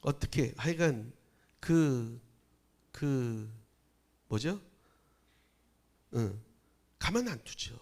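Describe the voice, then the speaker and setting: A male pastor from Gyeongsang with Jeolla dialect habits, preaching a Sunday sermon in a conversational way, full of questions to the listeners and swings between loud and hushed. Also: medium pitch, expressive, very slow, pauses often. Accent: Gyeongsang Korean with Jeolla dialect habits. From Gyeongsang region of Korea. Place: church.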